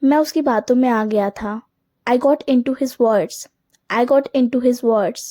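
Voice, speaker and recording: A woman teaching English phrases, saying each one quickly and then slowly repeating it twice. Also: a little high, mellow. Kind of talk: slow phrase drill lesson.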